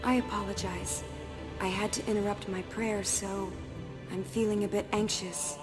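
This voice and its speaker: An actress playing a reserved, weary young priestess in a radio drama, formal and measured. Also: female voice, medium pitch, level tone, in a large hall, natural voice. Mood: apologetic. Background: music.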